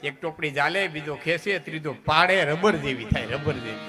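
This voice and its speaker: Over music and crowd noise, a man with a Kathiawadi Gujarati accent performs humorous folk stories before a live audience, speaking a little fast at a fairly high pitch. This folk storyteller is chatty and full of jokes, frequently checking in with his listeners.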